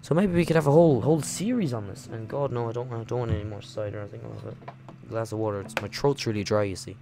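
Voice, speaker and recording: A man's voice: medium pitch, fast talker, background noise. A man hosting a game let's-play, reading aloud and commenting casually in a rambling, apologetic, self-interrupting way.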